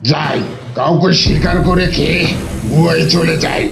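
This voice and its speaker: Cartoon monster, super creaky gravelly, smug predator, loud music behind. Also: male voice, on the high side, steady tone, normal speed. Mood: gloating, sly. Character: gloating predatory monster hiding as a duckling. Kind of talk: children's cartoon dialogue.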